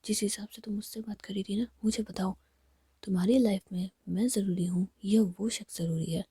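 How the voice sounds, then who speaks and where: A woman's voice: medium pitch, fairly even intonation, fairly quick, mellow, breathy edge, no room sound, studio quality. A woman whispering the lines of a jealous young woman, curt and accusing.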